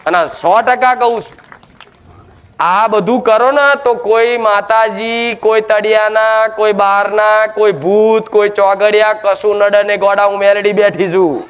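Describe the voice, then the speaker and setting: A man's voice: high voice, steady tone, a little slow, a bit bright, clear, resonant tone. A man preaching a devotional sermon, emphatic and scolding, full of rhetorical questions.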